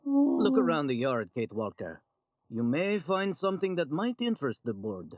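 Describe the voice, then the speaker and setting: A male tribal guide in a video game who speaks deadpan. His pitch still moves a fair amount, and the sound is dry and close. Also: moderate pace, dry recording. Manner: deadpan, flat delivery.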